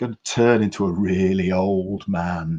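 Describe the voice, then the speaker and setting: A man uses a put-on character voice that is very deep and low, delivered at a moderate pace with fairly even intonation. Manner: very dramatic.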